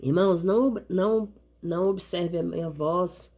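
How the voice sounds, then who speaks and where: A hoarse woman, giving an earnest devotional talk and reading the Bible aloud. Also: lowish voice, normal speed, dark tone. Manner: earnest, repetitive exhortation with tag questions. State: hoarse from a cold. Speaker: lay preacher.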